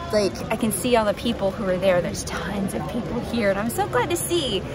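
Music plays in the background as a woman speaks in a dry sound with no echo. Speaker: vlogger. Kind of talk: casual vlog chat. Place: hall. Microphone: phone near.

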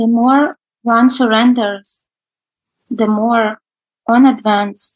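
In a quiet, dry recording with no echo, a woman talks at a very slow pace with a fairly high pitch and fairly even intonation. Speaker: interpreter. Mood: calm devotional. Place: home room. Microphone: video call.

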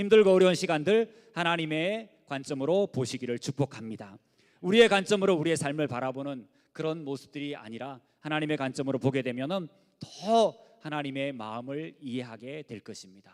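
A man in a normal speaking voice, fairly high in pitch, with lively intonation, big swings in loudness and a fairly quick pace. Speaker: pastor. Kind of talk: sermon. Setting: church.

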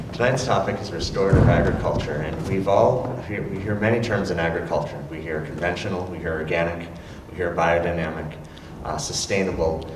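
The voice moves at a fairly quick pace with ordinary pitch variation, amid noticeable background noise and audible room echo. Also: man. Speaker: speaker. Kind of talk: lecture. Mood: relaxed, friendly. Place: hall.

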